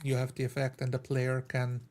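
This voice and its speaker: A man's voice: mid-range voice, completely flat delivery, normal speed, a little mellow. A man talking casually as a player in a tabletop roleplaying game. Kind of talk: casual chat about game rules.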